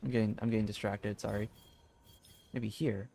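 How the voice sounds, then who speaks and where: A man giving casual gameplay commentary as a streamer, rambling and thinking aloud in a halting way. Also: fairly low pitch, flat delivery, creaky, dark tone, slight background noise. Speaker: video game streamer.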